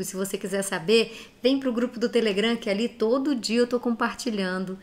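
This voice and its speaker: A woman from Brazil who has a cold, giving an earnest, emphatic talk straight to her listeners and urging them to act. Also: mid-range voice. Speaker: speaker giving reflections to followers. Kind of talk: direct-address motivational talk.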